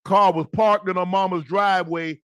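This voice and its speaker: A man's voice: sits high, fairly even intonation, moderate pace, clear, resonant tone, no echo, studio quality. A man in his fifties telling a story casually as a podcast host, repeating phrases and calling out to his co-host for emphasis. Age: 50s.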